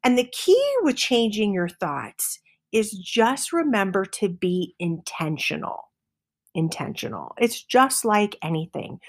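A middle-aged woman hosting a motivational podcast, enthusiastic, sometimes dropping to a soft whisper for emphasis. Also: medium pitch, very animated, slow pace. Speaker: podcast host.

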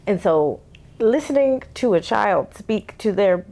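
A woman therapist with an African American accent, talking things through in a reflective, measured way during a casual reaction chat. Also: medium pitch, expressive, creaky, mellow. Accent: African American English. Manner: reflective, slow and measured, drops into playful scolding. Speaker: therapist, co-host.

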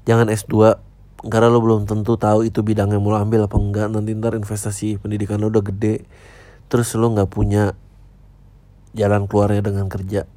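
Blunt, low-voiced podcast host. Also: male voice, completely flat delivery, brisk, dark tone, no room sound. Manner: blunt, offhand, slangy replies. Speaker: podcast host answering listener emails. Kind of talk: casual podcast chat.

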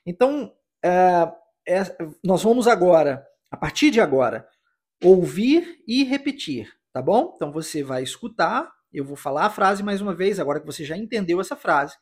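A Brazilian man with a Brazilian Portuguese accent hosting a podcast English lesson, explaining slowly and patiently and repeating phrases for the listener. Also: high voice, big pitch swings, darkish tone, slightly rough. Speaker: English teacher and podcast host.

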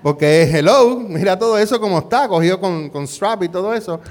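A middle-aged pastor whose voice sits a bit high for a man. He preaches in a chatty, storytelling way, tossing out rhetorical questions to the congregation and mixing English words into his Spanish. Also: lively intonation, a little fast. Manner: peppers talk with rhetorical questions and "¿verdad?". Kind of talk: conversational sermon with personal story.

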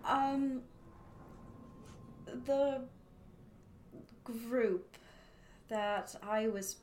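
A woman's voice: fairly high pitch, extremely slow, darkish tone, a little hiss or hum. A woman player chatting casually during a tabletop game, hesitant with many ums and frequent laughs.

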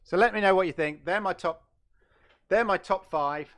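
A man's voice: high-pitched, normal speed, fairly bright tone. Chatty man rambling on stream. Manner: rambling, chatty, self-correcting. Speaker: gaming channel host. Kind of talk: casual livestream chat.

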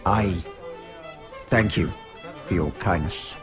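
An actor voicing a gravely literal, courteous alien outsider with formal, stilted, deliberate speech in a science fiction audio drama. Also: male voice, deep voice. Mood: solemn, uncertain. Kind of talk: dramatic acting. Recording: loud music behind.

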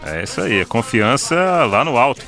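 A man's voice: mid-range voice, very animated, normal speed, creaky, music in the background. A Brazilian man reporting and commenting on football for a sports radio show.

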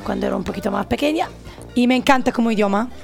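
Gravelly woman with hesitant speech. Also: fairly high pitch, very fast, faint music behind. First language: Italian. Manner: hesitant, with many fillers. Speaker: radio guest. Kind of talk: radio interview. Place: radio studio.

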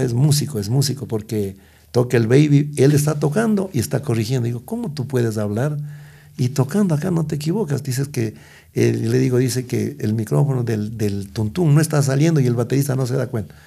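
A man's voice: medium pitch, gravelly, mellow, husky. A middle-aged man, telling stories as an interview guest, rambling with many restarts. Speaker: guest musician. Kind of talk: storytelling interview.

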